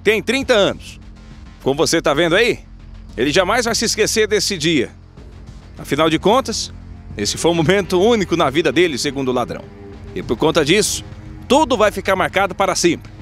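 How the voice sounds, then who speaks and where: A man's voice: high-pitched, sing-song, fairly quick, fairly bright tone, faint music behind. A man narrating news footage in a playful scripted way, with jokey asides to viewers.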